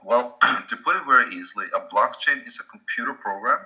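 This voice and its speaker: A man with a Swedish accent, a native Swedish speaker, giving a casual slide presentation with halting restarts. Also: mid-range voice, lively intonation, sharp tone, rough recording. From Sweden.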